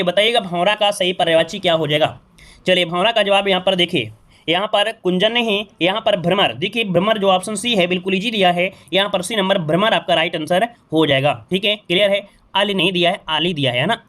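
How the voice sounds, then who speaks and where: Young guy running an online exam class, highish bright voice, keeps asking and answering his own questions. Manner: talks straight to students, greets them.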